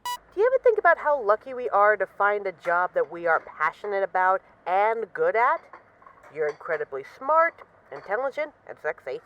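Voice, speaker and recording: A woman acts out a female crime boss with a lively, swooping delivery. She is wry and boastful, teasing her partner fondly as in an intimate audio roleplay, and the sound is slightly dull. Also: medium pitch. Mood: playful boasting. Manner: wry, boastful, teasing, mock-indignant, swearing casually. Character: witty, self-assured female mafia boss, bored, affectionately teasing her partner.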